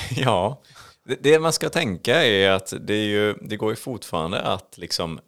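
A man's voice: lowish voice, a bit bright. A man co-hosting a casual podcast, leading the topics and talking with frequent hesitations and restarts. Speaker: podcast co-host. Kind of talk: casual chat.

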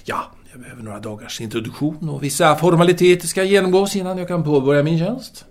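An actor playing an earnest, pedantic intellectual in an audio drama, discursive and deliberate, a man devoted to his lover. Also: a little high, darkish tone, close to an everyday voice. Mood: matter-of-fact. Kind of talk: audio drama letter monologue and dialogue.

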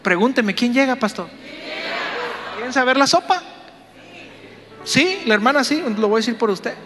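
A man, a pastor, telling a story in a sermon, animated and playful as he talks to the congregation. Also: extremely high pitch, normal speed, in a large hall, over music.

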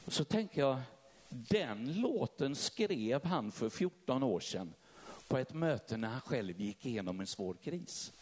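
A man's voice: medium pitch, very animated, darkish tone. A man preaching a sermon, telling a personal story with feeling and speaking straight to his listeners. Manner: emotional storytelling, addresses listeners directly. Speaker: pastor.

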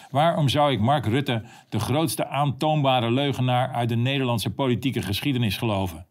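A man reading his own opinion column aloud, sarcastic and combative. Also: medium pitch.

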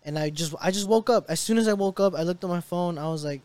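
Slightly high-voiced young man rambling stories. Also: quick pace, a little mellow, clear, resonant tone, dry recording. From Tennessee. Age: young adult. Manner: rambling storyteller, many "like" fillers. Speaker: stand-up comedian guest. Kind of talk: casual podcast chat.

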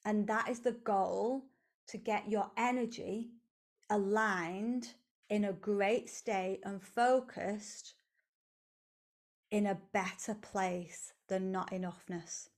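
Slow, earnest woman coaching. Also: mid-range voice, steady tone, darkish tone. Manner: slow, earnest, repetitive phrasing. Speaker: podcast host, coach. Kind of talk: reflective solo motivational talk.

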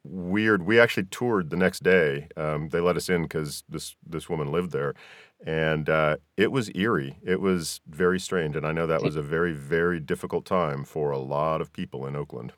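A man's voice: extremely low pitch, moderate pace, dry recording, studio quality. A man hosting a podcast, talking casually as he interviews his guests.

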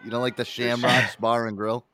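A man's voice: medium pitch, little pitch movement, normal speed, sharp tone. A man hosting a casual talk show with a mixed New York and Mid-Atlantic accent, joking, swearing and laughing. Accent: Mid-Atlantic and New York mix. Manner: profane, laughing, jokey. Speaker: host. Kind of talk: casual chat.

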